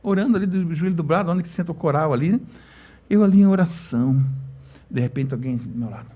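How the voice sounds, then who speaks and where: A quick-paced middle-aged man with a Brazilian Portuguese accent, sharing his testimony as a church elder. His voice sits a bit high but has a dark, mellow tone. He tells the story warmly and acts out the voices of the people in it. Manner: storytelling, acts out quoted dialogue. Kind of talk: emotional personal testimony.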